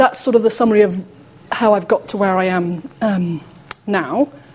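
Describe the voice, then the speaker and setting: A woman's pitch varies in an ordinary way as noticeable background noise continues around her. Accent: Birmingham. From Birmingham, England. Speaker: neuroscientist. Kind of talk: talk to an audience.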